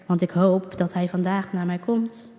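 A woman's voice: lowish voice, fairly even intonation, normal speed, mellow, lightly acted. A woman voicing a sighing old shoemaker. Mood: hopeful. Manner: sighing, musing to himself. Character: sighing old male shoemaker, gentle and lonely. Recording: dull recording with long reverb.

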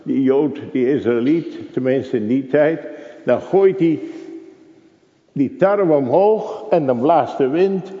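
A man's voice: mid-range voice, takes it slowly. An older man preaching a sermon in a church, dramatic and full of rhetorical questions to the congregation. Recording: echoey, dull church recording.

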